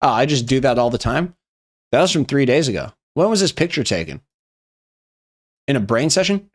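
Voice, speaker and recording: A young man with a slightly raised voice reads out memes on a live stream and reacts to each one. He swears freely and laughs as he goes. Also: on the high side. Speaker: streamer reviewing viewer memes. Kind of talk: casual live-stream commentary.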